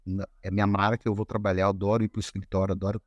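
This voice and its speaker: A man's voice: low voice, rapid-fire, dry recording, dull audio. Brazilian-sounding man telling stories casually. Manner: relaxed storytelling with many restarts and filler. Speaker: podcast guest. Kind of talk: casual conversation.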